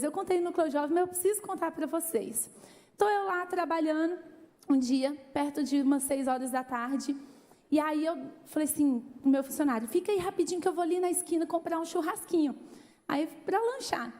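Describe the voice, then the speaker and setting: High-voiced Brazilian woman pastor preaching. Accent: Brazilian Portuguese. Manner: animated, laughing storyteller addressing the congregation. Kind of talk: sermon with personal storytelling. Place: church hall. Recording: long hall reverb.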